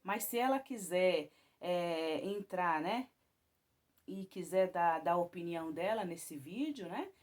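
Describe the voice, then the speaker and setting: A woman telling a personal Christian testimony to viewers in a rambling way, with many restarts and tag questions, her voice climbing high and loud when she recounts moments of alarm. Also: lively intonation, takes it slowly.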